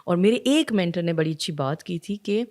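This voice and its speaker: A middle-aged woman from Pakistan, a communication trainer, talking in an animated, story-driven way and slipping English phrases in. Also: fairly low pitch. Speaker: communication trainer and guest speaker. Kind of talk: conversational podcast interview.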